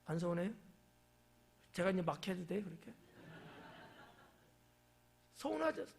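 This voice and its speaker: A man's voice: high voice, steady tone, fairly quick, gravelly, slightly rough. A male pastor preaching a casual, conversational sermon at an evening church service, often quizzing the congregation and acting out quoted lines. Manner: acts out quoted lines in shifting voices.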